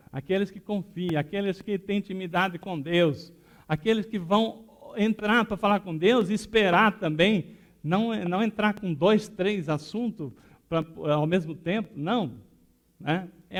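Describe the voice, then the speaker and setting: A pastor preaching a sermon in a conversational storytelling way, often tagging his phrases with questions. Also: sits high.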